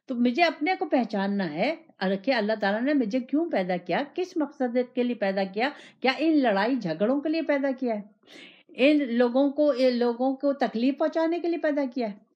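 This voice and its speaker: A woman's voice: sits high, expressive. A woman giving an Islamic sermon, repeating phrases and asking rhetorical questions in the first person. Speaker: religious teacher. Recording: dull lo-fi recording.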